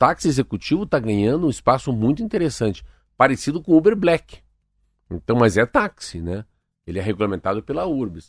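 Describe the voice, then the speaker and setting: A man's medium-pitched voice at a fairly quick pace, with very wide pitch swings, a dry, close sound with no echo and a very clean recording with a silent background. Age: 50s. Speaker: radio commentator. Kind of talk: casual on-air commentary. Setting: radio studio, simulcast on video.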